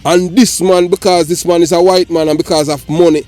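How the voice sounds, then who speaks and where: Jamaican man, high-pitched, warm tone, heated political rant, keeps restarting. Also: fairly even intonation, fairly quick, soft background music. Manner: forceful, repetitive, restarts a lot. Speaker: live show host. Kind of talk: heated political call-in talk.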